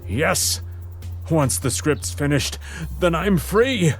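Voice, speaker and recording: An actor playing a beleaguered, fed-up announcer in a comic audio drama, with theatrical, emphatic delivery. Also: male voice, a little high, expressive, slow pace, soft background music. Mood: gleeful, frantic. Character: exasperated, beleaguered male announcer, melodramatic and fed up.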